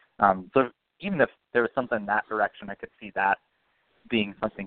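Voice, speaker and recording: A man speaks with an American accent. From southern Minnesota, US. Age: 30s. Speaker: baseball writer. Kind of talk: casual chat.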